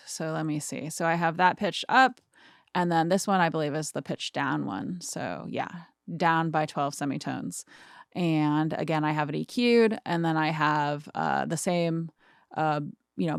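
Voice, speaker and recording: A woman's voice: low-pitched, creaky, smooth, no room sound. A woman in her thirties hosting a casual music mixing tutorial, thinking aloud informally as she demonstrates, recorded close in a small studio. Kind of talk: casual screen-share tutorial talk.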